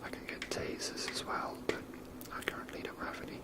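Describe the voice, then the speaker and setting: A person whispering rambling, unhurried ASMR commentary while playing a video game. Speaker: game streamer.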